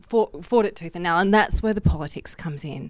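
A woman in an Australian accent, medium pitch with very wide pitch swings. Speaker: education journalist. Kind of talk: live panel discussion. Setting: stage with audience. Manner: enthusiastic.

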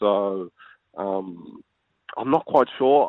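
A man with an Australian accent. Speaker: caller. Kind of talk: call-in comment. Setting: phone call. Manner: animated.

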